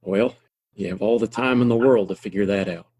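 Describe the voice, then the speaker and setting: Man acting folksy American Western townsman, lowish husky voice, steady, wry, kindly, plainspoken. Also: brisk. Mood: reassuring, wry. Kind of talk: Western audio play acting.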